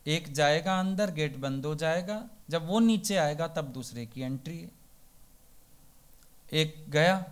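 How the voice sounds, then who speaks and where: A man giving a devotional sermon as a spiritual teacher. He tells folksy parables and keeps asking rhetorical questions. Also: a little high. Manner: folksy and plain-spoken.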